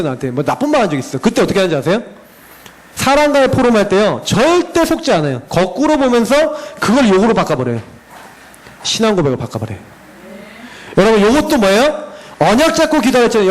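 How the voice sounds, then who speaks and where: A middle-aged male pastor preaching to a youth group in a lively, animated way, telling stories and laughing. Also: extremely high pitch, poor audio.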